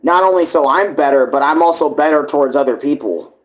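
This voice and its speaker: Man, slightly high-pitched, casual reaction commentary, rambling, blunt, sweary. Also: a little fast, poor audio. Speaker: reaction streamer.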